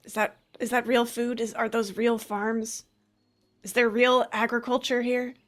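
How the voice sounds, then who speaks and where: A woman speaks in character at a tabletop game, full of quick, curious questions. Her voice sits a little high. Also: little pitch movement, soft background music. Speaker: player.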